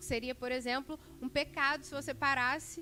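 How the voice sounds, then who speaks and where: High-pitched for a woman, her voice carries over noticeable background noise. The speaker is a woman. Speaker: preacher. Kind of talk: sermon.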